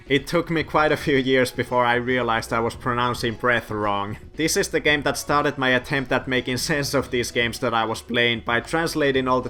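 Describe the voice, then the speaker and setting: A man's voice: mid-range voice, bright, forceful tone. A man, a gaming channel host telling a nostalgic story from his childhood with light self-deprecating humor. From Finland. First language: Finnish. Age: 20s. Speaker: gaming YouTuber. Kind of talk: story time vlog narration.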